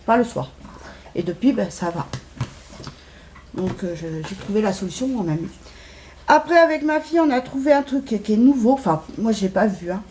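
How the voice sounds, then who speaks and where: A woman's voice: a little high, lively intonation, normal speed, long pauses, warm tone, a little hiss or hum. A middle-aged woman chatting casually in a shopping haul video, hesitant with lots of fillers. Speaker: haul vlogger. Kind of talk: casual chat.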